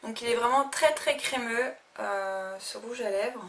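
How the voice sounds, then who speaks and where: A young beauty vlogger with a slightly high, somewhat bright voice casually reviews makeup she bought, speaking unhurriedly. She is hesitant, with many fillers and restarts, and sounds a little distant from the mic, with faint noise.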